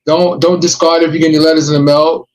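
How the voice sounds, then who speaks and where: A podcast host with a somewhat high voice. He talks in a casual, streetwise way. He presses his points hard with blunt warnings. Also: flat delivery, quick pace. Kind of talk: casual advice chat.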